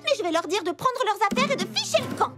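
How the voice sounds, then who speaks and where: An earnest little cartoon girl, with a very high, childlike pitch. Her delivery is expressive and exclamatory, set over clear background music. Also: fast. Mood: indignant. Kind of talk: French cartoon dubbing.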